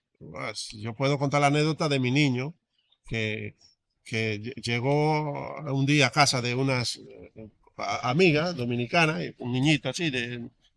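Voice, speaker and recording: Recorded very cleanly over a silent background, a medium-pitched man speaks fairly slowly with big swings in loudness. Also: ordinary pitch variation. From Dominican Republic. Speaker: immigrant, son of Galician emigrant. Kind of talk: testimony in podcast conversation. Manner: halting, many repetitions and fillers.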